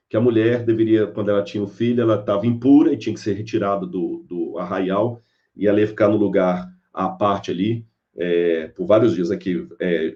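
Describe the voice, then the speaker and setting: A man's voice: fairly low pitch, lo-fi sound. A man giving a sermon-style Bible lecture, telling stories and acting out the people in them. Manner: animated storyteller acting out characters. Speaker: preacher.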